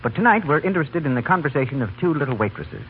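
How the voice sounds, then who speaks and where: Brisk man announcing on old-time radio. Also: a little high, expressive. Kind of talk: 1930s scripted broadcast announcing. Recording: noisy, tinny 1930s radio broadcast.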